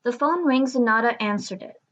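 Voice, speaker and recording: A woman's voice: a little high, brisk, fairly bright tone, dull audio. A woman reading scripted narration for an audio drama.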